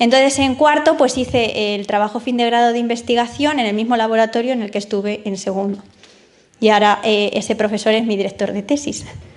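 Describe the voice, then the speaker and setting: A woman's fairly high voice, fairly quick and fairly even in intonation, against noticeable background noise. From Spain, Castilla-La Mancha (Ciudad Real). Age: 20s. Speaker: chemistry PhD student and science communicator. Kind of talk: public talk. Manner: hesitant, many fillers.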